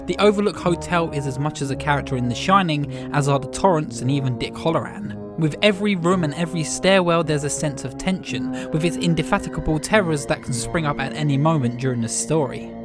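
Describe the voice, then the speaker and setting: Slightly hoarse man narrating a video essay. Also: a little high, fairly quick, hardly any pauses. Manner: earnest, enthusiastic reflective delivery. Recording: music playing under the voice.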